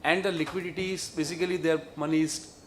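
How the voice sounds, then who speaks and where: A man's voice: on the high side, flat delivery, fast. A man with an Indian accent answering questions as a bank executive, emphatic and repeating words. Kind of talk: question-and-answer with press or analysts. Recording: clear background noise, room ambience.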